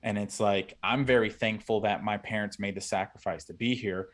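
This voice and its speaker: A man's voice: lowish voice, fairly even intonation, normal speed. A man in his thirties talking earnestly as a podcast guest, rambling with many restarts. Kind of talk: casual chat.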